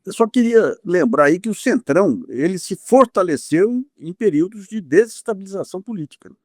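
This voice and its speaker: A man with a Brazilian Portuguese accent commenting on politics in an animated way, often restarting and repeating words as he thinks. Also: high-pitched, fairly quick, no room sound. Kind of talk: panel discussion.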